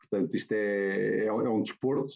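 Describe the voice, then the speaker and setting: A man's voice: lowish voice, moderate pace, gravelly, a little mellow. A man from Portugal with a European Portuguese accent, presenting his photography over a video call in a hesitant way, with many fillers and restarts. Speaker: guest photographer. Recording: dull lo-fi video call audio.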